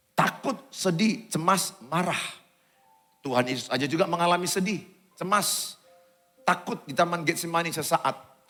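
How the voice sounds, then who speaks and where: A pastor with a Medan accent delivers a sermon in a church hall, his voice pitched high for a man. He swings from loud, urgent exhortation to quiet, softer asides. Faint music plays behind him. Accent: Indonesian, Medan. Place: church auditorium.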